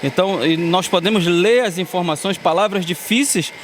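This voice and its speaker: Earnest Brazilian man, halting outdoor interview. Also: high voice. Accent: Brazilian Portuguese, Amazonas. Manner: halting, restarts often, earnest. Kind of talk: news interview soundbite. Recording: outdoor noise, traffic behind.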